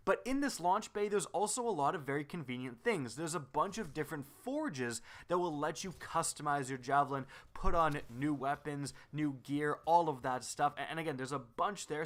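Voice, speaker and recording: Game video presenter: man, fairly high bright voice, upbeat and explanatory voice-over. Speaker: gaming video host.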